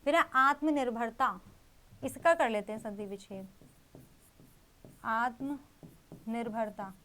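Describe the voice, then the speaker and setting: A woman's voice: sits high, moderate pace, sharp tone, a little hiss or hum. A young woman teaching an exam-prep grammar lesson, explaining with rhetorical questions and repeating key terms.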